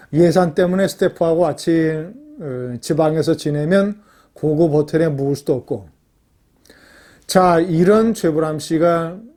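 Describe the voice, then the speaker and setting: High-pitched male speech with fairly even intonation and long, frequent pauses. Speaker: political commentator. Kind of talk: news commentary to camera.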